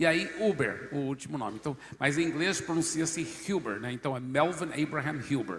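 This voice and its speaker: A man in an English accent talks at a fairly high pitch and a moderate pace, with ordinary pitch variation. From Brazil, raised by American missionary parents. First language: English (speaking Portuguese). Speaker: pastor. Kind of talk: podcast interview.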